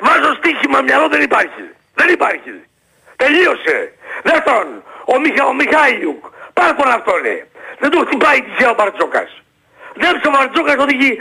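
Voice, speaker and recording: A man playing a cranky older male basketball-fan caller who shouts and rants in a radio comedy sketch. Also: very high-pitched, vocal fry, exaggerated voice, poor audio. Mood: grumbling. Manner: shouting, ranting, insulting.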